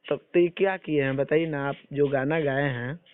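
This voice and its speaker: A man's voice: a little high, fairly even intonation, normal speed. A man conducting an informal phone interview, questioning persistently in an admonishing manner. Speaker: interviewer for an entertainment channel. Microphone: phone call. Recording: tinny phone call recording.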